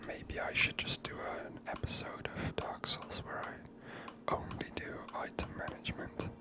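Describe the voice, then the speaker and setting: A person giving ASMR game commentary in a soft, unvoiced whisper, gently musing aloud. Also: unhurried. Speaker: video game player and narrator.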